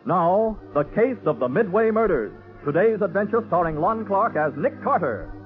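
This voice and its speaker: A man's voice: high-pitched, lively intonation, normal speed. A man with an American accent announcing a scripted 1940s radio program, emphatic and dramatic. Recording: muffled 1940s radio, organ music behind.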